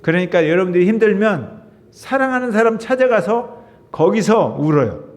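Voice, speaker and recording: A middle-aged pastor with a high, expressive voice preaches to his congregation at a moderate pace, in an emotive, conversational style. He is in a church sanctuary, and the recording has the reverberance of a church hall.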